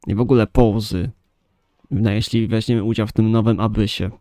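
Male gaming host, Polish, low and mellow, informal let's play chatter with the odd mild swear. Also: fairly even intonation, a little fast, no room sound, clean studio sound. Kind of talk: casual let's play commentary.

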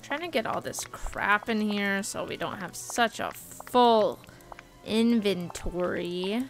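Woman streamer in her twenties, bubbly and chatty, unhurried delivery. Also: medium pitch, faint music behind, rough recording. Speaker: game streamer. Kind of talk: casual gameplay commentary.

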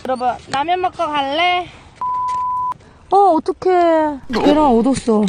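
A woman in her thirties talks straight to her viewers, bursting into squeals and playful teasing. Her voice sits very high. The handheld outdoor recording carries a noticeable hiss of wind and noise. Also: a little slow. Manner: excitable, squealing exclamations, playful. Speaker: camping vlogger. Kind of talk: casual vlog chat to viewers. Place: frozen river outdoors in snow. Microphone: handheld camera.

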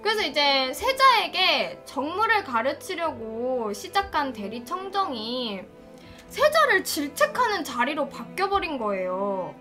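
Bright lively woman telling history. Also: high voice, slow, faint music behind. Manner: chatty, expressive, acts out quoted lines. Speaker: history storyteller. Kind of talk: casual storytelling narration.

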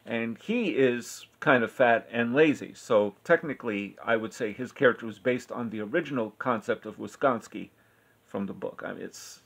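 A man giving a casual spoken film review, rambling and halting, often correcting himself mid-sentence. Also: mid-range voice, gravelly. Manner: rambling, halting, with frequent self-corrections and filler.

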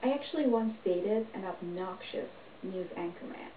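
Middle-aged woman talking deadpan to camera, echoey dull sound, bit of noise. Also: medium pitch, moderate pace. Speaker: comedy performer. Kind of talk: tongue-in-cheek monologue to camera. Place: small indoor room, plain wall. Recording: echoey, distant, dull home recording.

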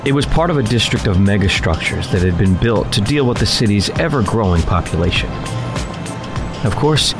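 Man acting as polite young worker, deep register, wry measured narrator, audio drama, music behind. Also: lively intonation, lightly acted. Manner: measured, storytelling. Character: polite, wry young working man telling his story. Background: music under the voice.

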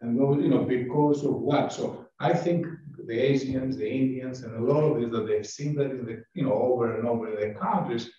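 Captured by a far room microphone, the echoey and dull sound of a town meeting room carries a Greek man, Greek being his first language, speaking as a board member at a large table. In this casual discussion he searches for words and restarts phrases, talking at a moderate pace with few pauses in a medium-pitched, dark voice.

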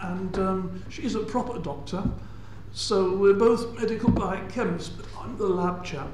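A man's voice: high-pitched, steady tone, measured pace. An older man with a southern English accent giving a public science lecture in a large hall. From England. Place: large indoor lecture hall before an audience. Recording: echoey lecture hall, faint noise.

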